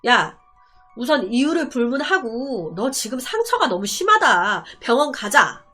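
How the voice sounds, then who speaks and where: A woman's voice: a little high, very animated, measured pace, bright, forceful tone, slightly rough, soft background music, heavily acted. A woman voicing a worried older brother questioning his injured sibling. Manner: concerned, insistent questioning.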